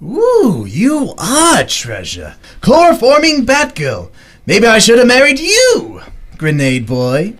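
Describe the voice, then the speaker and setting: A deranged, theatrical clown villain for an audio drama. He draws his words out slowly and swings wildly from murmurs to shrieks, cooing with mock affection and gleeful menace. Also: very high-pitched, huge pitch swings, fairly bright tone, full character voice. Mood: delighted, scheming. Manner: theatrical, sing-song, drawn-out, lurching from murmurs to shrieks.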